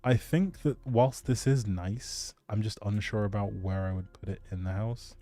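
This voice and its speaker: With a lowish, dark-toned voice at normal speed, a gamer host rambles through casual livestream commentary. He responds to chat hesitantly and frequently trails off, while music plays in the background.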